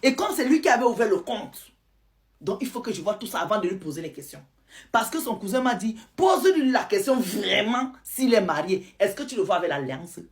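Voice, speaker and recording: A woman, telling a listener's story to her audience in a lively, dramatic way. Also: mid-range voice, a little fast. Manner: lively, retells a follower's account in first person. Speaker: storyteller host.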